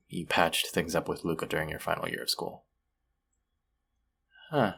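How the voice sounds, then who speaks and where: A man acting a friendly, sympathetic young man in an intimate, conversational audio roleplay, speaking gently and at times hesitantly. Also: exaggerated voice. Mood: curious, puzzled. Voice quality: low, gravelly, husky.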